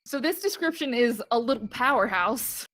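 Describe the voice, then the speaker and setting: A young woman with a high voice, hosting a casual game playthrough, joking and laughing as she plays. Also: animated, moderate pace, a bit bright. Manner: laughy, joking, self-deprecating. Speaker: let's play host. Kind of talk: casual gameplay commentary. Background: faint game music.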